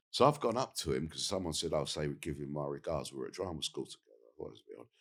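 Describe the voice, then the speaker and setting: Speaking very fast with big swings in loudness, a man with a London accent is heard in a very clean recording against a silent background. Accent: London British. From London (Brixton), England. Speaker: actor. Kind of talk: casual chat. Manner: animated.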